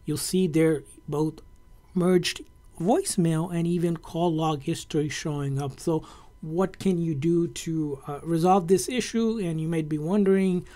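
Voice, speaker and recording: A tech tutorial host with a soft-edged, mellow voice at a medium pitch. The delivery is casual and conversational, explaining things informally and circling back over points. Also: fairly even intonation, a little slow.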